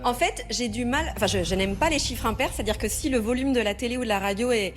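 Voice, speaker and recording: A woman's voice: fairly high pitch, fast, soft background music. A woman being interviewed, explaining a personal quirk in casual conversation.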